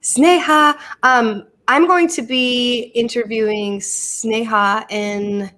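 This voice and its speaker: A woman's voice: a little high, fairly even intonation, takes it slowly, bright, forceful tone. A middle-aged American woman hosting a live podcast, talking casually and fondly to her daughter, often repeating words as she starts a thought. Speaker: podcast host. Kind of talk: casual live-stream chat.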